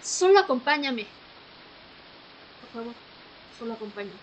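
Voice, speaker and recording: Woman acting a high-voiced, guarded, mysterious woman. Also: sing-song, measured pace, background noise. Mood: resigned. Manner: terse, cryptic instructions. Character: guarded, mysterious woman who knows history's secrets. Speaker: supporting actor. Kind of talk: audio drama dialogue. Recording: music bed under the voice.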